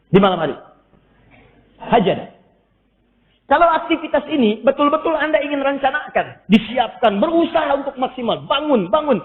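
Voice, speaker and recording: A lively male preacher delivers a humorous sermon with a high voice. He sounds tinny, as if over a phone line, and his words echo through a big hall. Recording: tinny echoey hall recording.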